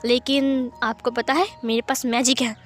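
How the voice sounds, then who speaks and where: In a read-aloud romance story, a woman voices a young man who is playful and wheedling, pleading and coaxing in a high, light voice. The delivery sounds like a storyteller reading rather than an actor in a full part. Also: flat delivery, moderate pace, close to an everyday voice.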